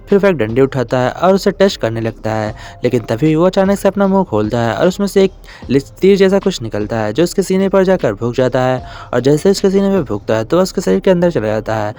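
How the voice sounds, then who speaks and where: A man's voice: fairly high pitch, a little mellow. A man narrating a film plot recap in a plain storytelling way, leaning heavily on intensifiers.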